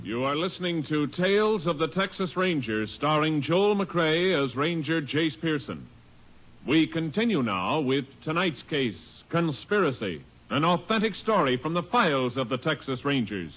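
An American man announces in formal 1950s radio style. His raised voice swings widely as he proclaims each phrase deliberately, with faint music behind him and dull, dated sound. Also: a little high, very animated, a bit bright. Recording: muffled 1950s radio recording.

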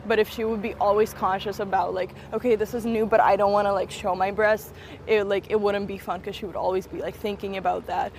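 A woman's voice: medium pitch, little pitch movement, a little fast, darkish tone. A young woman from Spain, a photographer and director, talking in a casual walking interview with lots of "like" fillers and restarts. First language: Russian. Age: young adult. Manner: chatty, many "like" fillers and restarts. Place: outdoors on a college campus near traffic. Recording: outdoor street noise behind the voice.

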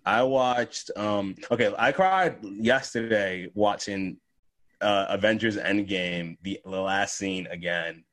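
A young man co-hosting a podcast, chatting casually, swearing a lot and jumping into high-pitched voices when he quotes people. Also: slow pace, a bit bright. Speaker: podcast co-host. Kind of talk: casual chat.

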